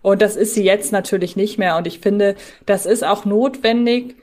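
A woman's voice: medium pitch, moderate pace, darkish tone. Reflective woman co-hosting a podcast. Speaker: podcast co-host. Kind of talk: conversational fan discussion.

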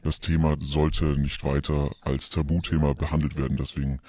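Man doing a distorted, very deep anonymous voice. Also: little pitch movement, normal speed, dark tone, no echo. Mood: earnest. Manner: hesitant, full of "ähm" fillers, mock-solemn. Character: anonymous male confessor hiding his identity. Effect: distorted, pitched-down anonymizing voice. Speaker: podcast co-host. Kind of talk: comedic podcast bit.

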